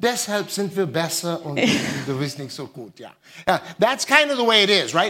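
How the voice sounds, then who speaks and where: At a moderate pace, a man projects a raised voice with very wide pitch swings. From US Midwest, Michigan. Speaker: missionary preacher. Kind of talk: sermon.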